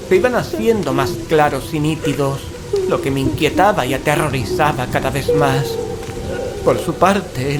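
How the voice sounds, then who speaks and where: A man's voice: on the high side, close to an everyday voice. An actor from playing a fearful male paranormal investigator, telling horror in an anxious, ornate, dramatic way. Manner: anxious, ornate, dread-laden delivery. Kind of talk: dramatic first-person horror narration and radio-play dialogue. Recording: dramatic music, rain and thunder behind. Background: music, rain, thunder.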